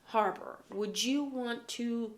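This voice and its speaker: A woman's voice: a little high, takes it slowly, a crowd in the background. Young woman host, nasal from allergies, jokey and opinionated, casual review chat. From Chicago, USA. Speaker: podcast host reviewing cartoon episodes.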